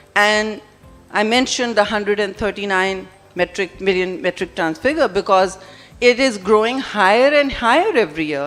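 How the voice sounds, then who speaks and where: A woman's voice makes very wide pitch swings. Noticeable background noise runs underneath. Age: 60s. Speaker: politician. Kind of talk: conference speech. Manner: emphatic.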